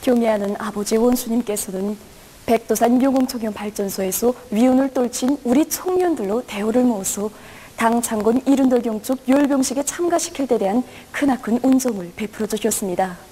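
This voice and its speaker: A woman's voice: on the high side, a little fast, warm tone, slightly rough. A woman with a North Korean accent narrates television news from a script in a solemn, reverent, declamatory way. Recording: long hall-like reverberation.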